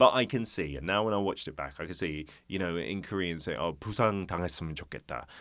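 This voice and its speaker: In a North London accent, a man with a very deep, low pitch and vocal fry talks at a very fast pace, with lively intonation and hardly any pauses, on a very clean recording with a silent background. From London, England. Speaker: broadcaster and English teacher in Korea.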